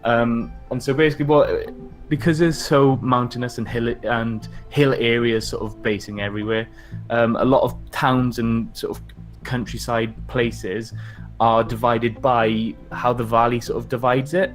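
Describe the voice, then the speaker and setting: A man's voice: mid-range voice, steady tone, normal speed, soft background music. A man from South Wales with a valleys accent, chatting casually as a podcast guest and often chuckling as he talks. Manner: chuckles often while talking. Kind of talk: casual chat.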